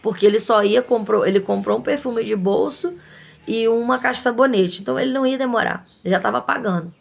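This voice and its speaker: A woman's voice: on the high side, fast, creaky. A woman, a shop owner casually telling viewers an indignant story, acting out what others said. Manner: indignant, animated retelling with quoted voices.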